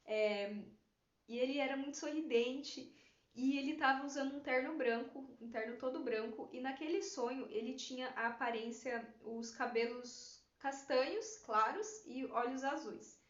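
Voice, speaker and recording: Woman, fairly high voice, heartfelt testimony vlog, echoey room, dull sound. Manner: earnest, heartfelt, many fillers like "né". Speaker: writer sharing prophetic dreams. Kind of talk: personal testimony, casual storytelling. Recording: roomy, slightly dull lo-fi sound.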